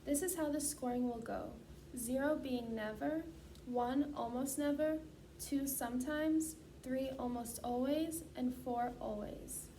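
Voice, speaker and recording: High-pitched woman, distant and noisy recording. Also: a little slow, dark tone. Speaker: student speech clinician giving a voice assessment. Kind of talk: scripted clinical demonstration. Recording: distant mic, clear background noise.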